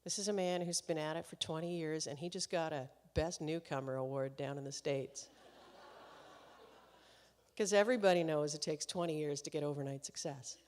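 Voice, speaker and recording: A woman's voice: deep voice, moderate pace, a little mellow. A woman hosting a live concert series, introducing the performer to the audience in a chatty way and laughing between remarks. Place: concert hall, live event. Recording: long hall reverb.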